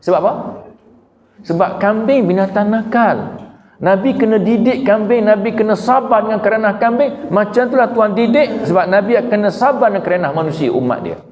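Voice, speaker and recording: Male preacher, animated, high-leaning voice, humorous; roomy lo-fi hall recording with faint noise. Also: a little fast. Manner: animated, rising to high emphatic peaks, humorous asides. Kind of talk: religious talk to a congregation. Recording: echoey hall, dull lo-fi sound, faint noise.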